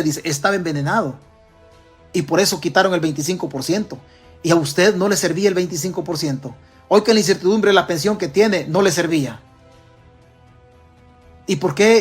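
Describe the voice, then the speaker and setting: A man with a Salvadoran Spanish accent delivers an emphatic political monologue, throwing question after question at his listeners. His voice sits high for a man and sounds husky, with faint music playing underneath. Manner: emphatic, fires rhetorical questions at the audience. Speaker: political commentator. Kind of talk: direct-to-camera political commentary.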